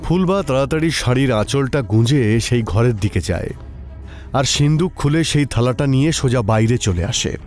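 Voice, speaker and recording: ভূতের গল্পের পুরুষ কথক, পেছনে সংগীত. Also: male voice, mid-range voice, expressive, normal speed, a little mellow, faint music behind. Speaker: narrator. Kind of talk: scripted horror story narration.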